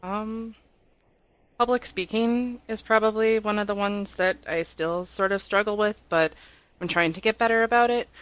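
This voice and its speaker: A woman's voice: mid-range voice, fairly even intonation, normal speed, fairly bright tone, smooth, no echo, rough recording. A woman co-hosting a podcast, telling personal stories casually in a candid, self-deprecating and sincere way. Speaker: podcast co-host.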